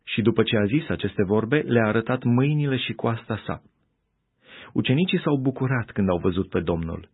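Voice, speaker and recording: A man reading scripture aloud in a steady, unhurried narration. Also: medium pitch, breathy edge. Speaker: scripture reader. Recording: tinny phone-like audio.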